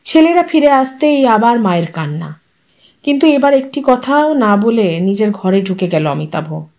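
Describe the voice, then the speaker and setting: Woman storyteller with a slightly high voice, calm and measured audiobook reading.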